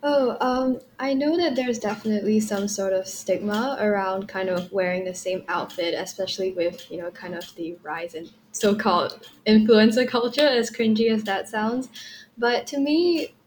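A woman's voice: mid-range voice, moderate pace. A young woman speaking as a podcast guest, reflective and casual, with informal hedged phrasing. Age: young adult. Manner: informal, hedging with "kind of" and "you know". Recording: faint background noise.

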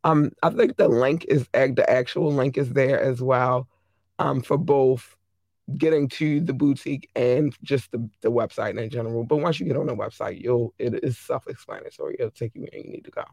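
A hoarse podcast host chatting casually, affectionately shouting out listeners country by country. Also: mid-range voice, normal speed, no echo, clean studio sound.

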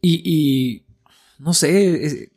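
Man with a gravelly, mid-pitched voice, thinks aloud in halting faith talk. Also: a little mellow. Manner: searching, halting, many restarts. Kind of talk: casual faith discussion.

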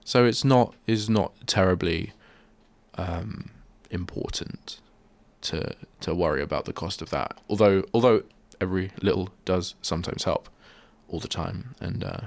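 Nursing a stuffy head cold, a male radio host rambles in a casual solo chat at a studio microphone, making fun of himself. His creaky voice sits low, nasal and congested, and he speaks at a measured pace. No room sound is audible.

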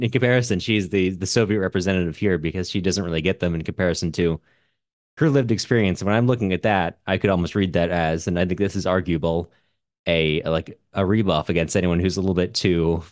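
A man co-hosting a book podcast in casual discussion, halting and correcting himself as he thinks aloud. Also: low voice, no room sound, studio quality. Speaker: podcast co-host.

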